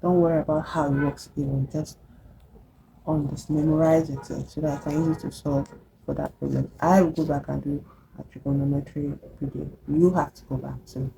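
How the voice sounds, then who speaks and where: Nigerian woman, low gravelly voice, casual encouraging maths tutor, slows down for formulas. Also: flat delivery, background noise. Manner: chatty and encouraging, checks in with "yeah?" and "okay?"; slows down to spell out formulas while writing. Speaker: math tutor vlogger. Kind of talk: casual whiteboard lesson.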